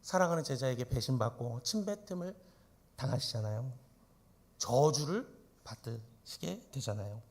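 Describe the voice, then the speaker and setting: A man's voice: mid-range voice, lively intonation, moderate pace, darkish tone. A male pastor preaching an emphatic sermon in church, often turning to the congregation with rhetorical questions.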